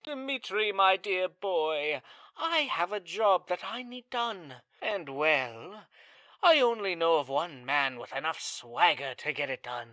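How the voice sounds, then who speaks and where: A woman's voice: fairly low pitch, animated, slow pace, fairly bright tone, no echo, poor audio. A woman voicing a scheming, genteel male villain bird with a pompous, silky manner in a cartoon fan dub. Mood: smooth, persuasive. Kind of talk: fan-dub comic acting.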